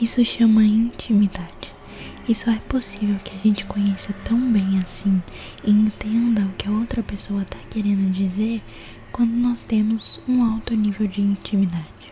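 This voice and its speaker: Amid noticeable background noise, a woman speaks at a moderate pace with monotone, flat intonation. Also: fairly high pitch for a woman. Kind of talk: ASMR-style soft-spoken talk to camera about faith. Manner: soft-spoken.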